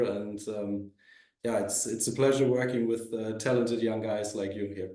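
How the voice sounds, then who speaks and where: In a German accent, a man speaks with a dark, mellow tone at a medium pitch. His intonation is fairly even. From Germany, Dortmund. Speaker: soccer coach. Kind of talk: interview.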